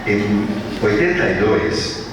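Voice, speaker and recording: A man, telling his life story to students at a school event in an unhurried, reflective way. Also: on the low side, expressive. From Argentina. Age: 60s. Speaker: guest speaker. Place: large school hall. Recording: echoey hall from far off, with noise.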